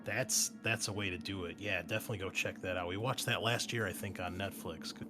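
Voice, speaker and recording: A man's voice: low voice, fairly even intonation, brisk, bright, forceful tone, soft background music. A man hosting a tabletop game session in casual, sweary chat. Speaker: host and game master.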